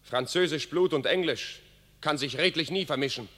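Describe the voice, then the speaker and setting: An actor playing a fierce, arrogant English noble soldier in a classical verse radio play, declaiming with contempt. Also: male voice, a little high, moderate pace, a bit bright. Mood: contemptuous. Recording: long reverberant hall sound.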